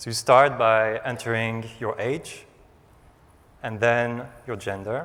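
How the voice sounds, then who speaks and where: This man speaks with a French-Canadian accent. His pitch is medium. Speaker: designer. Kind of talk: conference talk. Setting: stage with audience.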